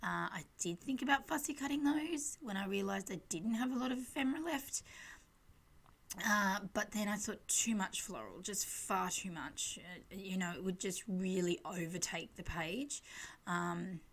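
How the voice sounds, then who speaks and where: A craft channel host gives a casual, chatty, rambling scrapbooking voice-over with a self-deprecating streak. Her medium-pitched voice is animated and creaky, moving at normal speed.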